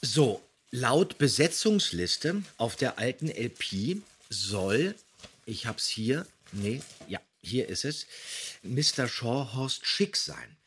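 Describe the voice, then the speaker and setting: A man's voice: mid-range voice, big pitch swings, takes it slowly, fairly bright tone, breathy edge. A man hosting a podcast, giving conversational commentary on audio dramas. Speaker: podcast host.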